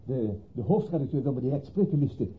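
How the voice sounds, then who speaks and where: Placating smooth talker, lively intonation. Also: male voice, medium pitch, fairly quick, phone-quality sound. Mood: flustered. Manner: placating, flattering, hesitant when cornered. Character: smooth-talking, evasive male newspaperman juggling lovers. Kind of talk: radio play acting.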